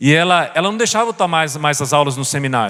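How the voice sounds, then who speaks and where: Speaking at a fairly quick pace, a man with a northeastern Brazilian accent has a bright, sharp tone. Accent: noticeable Northeastern Brazilian. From Northeast Brazil. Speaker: pastor. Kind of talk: sermon. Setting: church.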